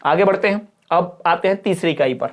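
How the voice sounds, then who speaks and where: A woman teacher giving an exam-prep lecture, often asking if things are clear and adding up marks aloud. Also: lowish voice, brisk.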